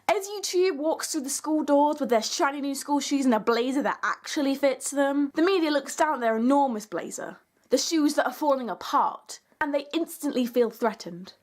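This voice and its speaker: High-voiced young woman vlogger. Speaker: YouTuber, creator and host. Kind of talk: video essay to camera, semi-scripted.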